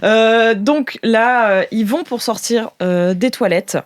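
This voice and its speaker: A woman's voice: a little high, takes it slowly. A woman improvising narration as game master of a tabletop role-playing game.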